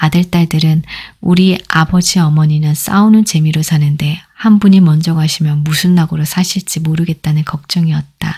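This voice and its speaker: A woman's calm, somewhat breathy voice, very deep and low in pitch, dark and mellow in tone, with fairly even intonation at a moderate pace. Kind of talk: audiobook reading. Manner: calm, soft-spoken.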